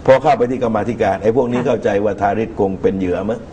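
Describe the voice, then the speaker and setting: A middle-aged man giving measured political commentary as a guest in a TV studio talk show, speaking into a lapel mic. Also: fairly low pitch, warm tone, slight background noise. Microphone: lapel microphone.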